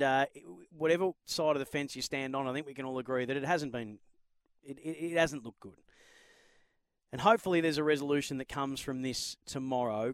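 A man's voice: on the high side, fairly bright tone, clean tone, no room sound, clean studio sound. An Australian man hosting sports radio, talking in a wordy, opinionated, conversational way. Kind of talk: conversational sports commentary and interview.

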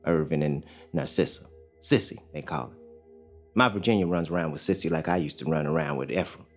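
An actor in an audio drama playing a young enslaved father who talks in a calm, plainspoken drawl. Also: rumbling low, fairly quick, faint music behind. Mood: steady. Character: young enslaved male father, steady and hopeful.

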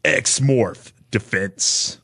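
A man with a mid-pitched voice talks as a podcast panelist. He is informal and loose, wandering through his thoughts and punctuating them with short exclamations. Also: very slow, vocal fry, sharp tone, slightly rough. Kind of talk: casual chat.

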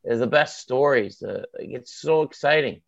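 An author guesting on a podcast, this man with a Maritime Canadian accent talks sports in an animated, opinionated, colloquial way, using emphatic, punchy short phrases. His voice is mid-range and creaky at normal speed. The recording is muffled with no room sound.

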